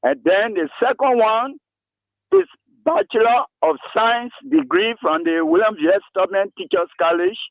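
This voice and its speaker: A man in his seventies with a Liberian English accent, calling in to a radio talk show and speaking slowly about himself. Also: sits high, dry recording. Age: 70s. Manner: slow, lively rises and falls, gravelly. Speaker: caller. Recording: tinny dry phone line.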